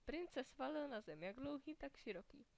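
A woman's voice: sits high, animated, creaky, darkish tone. Woman reading a bedtime story. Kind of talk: scripted children's story narration.

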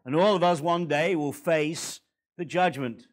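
An older man in his sixties with an Australian accent, a guest preacher at a church pulpit, a little hoarse from a recent cold, building to forceful, emphatic preaching. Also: on the high side, unhurried. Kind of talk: sermon. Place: church hall, indoors. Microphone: pulpit microphones.

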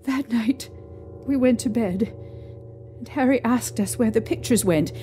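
A woman playing a frightened young mother in an audio drama, recounting a haunting with halting, emotional delivery. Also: a little high, warm tone, slight background noise, natural voice. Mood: distressed. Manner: halting, emotional storytelling with trembling pauses. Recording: eerie music behind.

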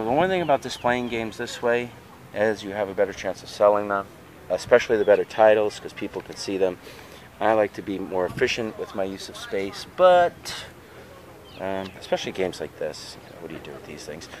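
A man's voice: on the low side, a little mellow, slight background noise. A man filming a casual, rambling walkthrough of his vendor tables at an outdoor street fair on a handheld camera. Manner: chatty, rambling. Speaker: flea market vendor.

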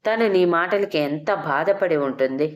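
A woman voicing a stern mother who scolds her daughter with sharp questions. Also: lowish voice, a little slow, highs cut off, close to an everyday voice. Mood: angry. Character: stern middle-aged mother, angry and scolding.

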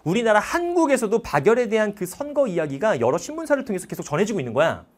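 A male history teacher giving a lively lecture that retells a film, a dramatic storyteller who quizzes his listeners with questions. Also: sits high, fast.

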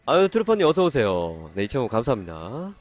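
Excitable male game streamer, lively voice. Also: mid-range voice, brisk, no room sound, soft background music. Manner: excitable, swings from calm explaining to loud exasperated outbursts. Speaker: game streamer doing gacha pulls for a viewer. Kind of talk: casual live-stream commentary.

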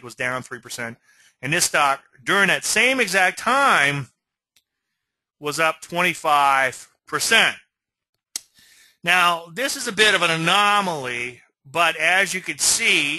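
A middle-aged Cajun man lecturing on trading charts in a folksy, chatty way, tossing in little self-mocking asides. His voice is very bright and forward, close to the mic with a dry, roomless sound. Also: on the high side, lively intonation, a little slow, dry recording, low-quality recording. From Louisiana. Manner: folksy, asks okay often, self-deprecating asides. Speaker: trading educator. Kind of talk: screen-share webinar lecture.

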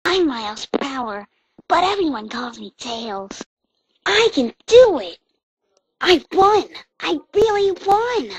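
A woman's voice: high-pitched, slow pace, heavily acted. A woman voicing an eager, earnest young boy fox sidekick in an amateur cartoon audition. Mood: excited, determined. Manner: earnest, excitable. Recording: amateur handheld game console recording.

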